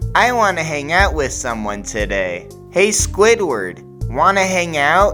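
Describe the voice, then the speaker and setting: With clear music in the background, a man puts on a character voice at a fairly high pitch, talking at a fairly slow pace. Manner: cheerful, eager.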